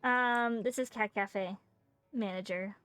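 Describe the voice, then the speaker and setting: A woman's voice: mid-range voice, fairly even intonation, slow pace, a bit bright, clean tone, dry recording, faint music behind. A woman streaming a game in casual chat, joking and rambling with many fillers, close to a desk microphone. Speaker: VTuber streamer.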